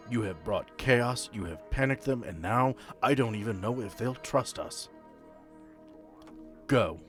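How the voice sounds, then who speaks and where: A man playing a stern, angry agent commanding in a crisis, with a slow, clipped, authoritative delivery. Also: medium pitch, animated, soft background music, close to an everyday voice. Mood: bristling anger.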